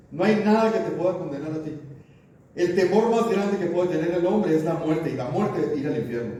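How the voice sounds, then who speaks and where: A man's voice: fairly high pitch, dark tone, slight background noise. A middle-aged man preaching a sermon, folksy and anecdotal, often asking the congregation rhetorical questions. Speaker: pastor. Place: church sanctuary. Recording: echoey church room, mic at a distance, faint ambience.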